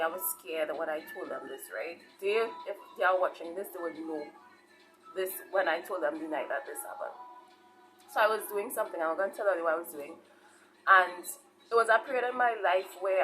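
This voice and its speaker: A woman's voice: on the low side, fairly bright tone, rough recording. Caribbean woman preaching conversationally over music. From Saint Vincent, grew up in Trinidad. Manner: conversational, repeats herself, often checks in with "right?". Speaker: online preacher and channel host. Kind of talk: informal testimony and preaching to camera.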